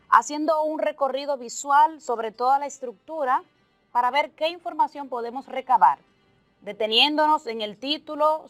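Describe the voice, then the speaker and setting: Woman teacher, slightly high voice, unhurried, methodical, dry close sound. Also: no echo. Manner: slow, deliberate explaining with lists and examples. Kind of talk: televised remote class.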